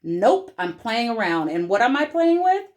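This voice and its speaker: A woman's voice: a little high, very animated, moderate pace. A woman giving a casual social media tutorial in a playful, chatty, informal way.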